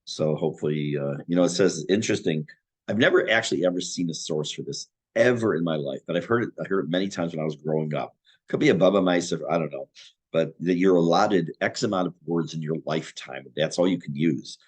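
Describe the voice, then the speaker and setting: An older man teaching a Torah class in a conversational, self-deprecating way, his voice going hoarse and interrupted by throat clearing. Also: low voice, quick pace, darkish tone. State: losing his voice. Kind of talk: Torah class, explaining text.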